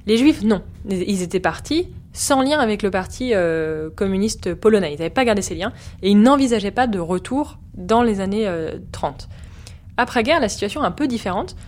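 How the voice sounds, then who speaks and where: A woman historian explaining her research in a measured way, with frequent hesitations. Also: mid-range voice, lively intonation, a little mellow. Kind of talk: explanatory interview.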